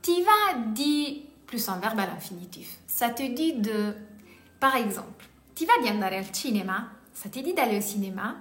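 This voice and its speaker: A woman's voice: fairly high pitch, very animated, normal speed, a bit bright. A woman with an Italian accent teaching a beginner lesson in French, saying each Italian word twice and then giving its meaning. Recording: echoey room with faint music.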